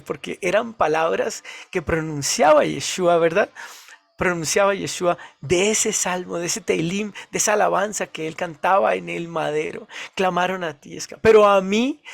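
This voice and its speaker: A man with a Colombian Spanish accent preaching a devotional sermon, animated, laughing often and repeating his phrases. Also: high-pitched, creaky, dry recording.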